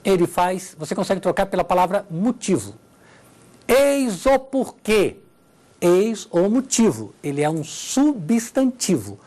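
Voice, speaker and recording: A woman's voice: mid-range voice, very animated, unhurried, dark tone. A woman teaching Portuguese grammar in a televised lesson, walking through examples and checking in with her listeners. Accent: Brazilian Portuguese.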